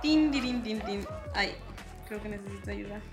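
A woman in her twenties with a Mexican accent, chatting excitably and casually like a vlogger in her kitchen. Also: medium pitch, moderate pace, over music, crowd noise. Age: 20s. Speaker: vlogger, prankster. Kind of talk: animated casual vlog chat and phone prank. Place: small home kitchen, indoors. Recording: roomy kitchen echo.

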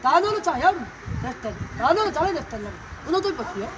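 A woman's voice: high voice, very animated, rapid-fire. A woman from Sorgun, a street personality who chants phrases over and over, swearing and blessing by turns. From Sorgun, Yozgat, Turkey. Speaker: street personality being filmed. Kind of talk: loud repetitive street banter. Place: outdoors in a city park. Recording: distant outdoor voice with loud street noise.

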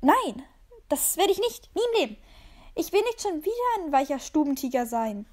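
Lady reading as a stubborn black cat, high and snappy, fighting back. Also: fast talker, dark tone, lightly acted. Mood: defiant. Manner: snappy, defiant outbursts. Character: proud, prickly black house cat turned wild.

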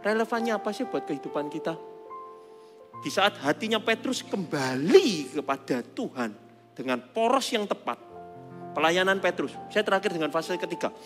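Man, preacher, high voice, conversational sermon, long church reverb, soft music behind. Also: expressive, moderate pace. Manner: conversational preaching, swings from quiet to loud and emphatic. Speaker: pastor. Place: church auditorium.

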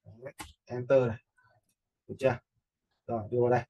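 A man giving a casual, step-by-step software tutorial, informally checking in with listeners as he goes. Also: medium pitch, flat delivery, fast talker, highs cut off. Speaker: video editing instructor. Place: indoors, voice-over for a screen recording.

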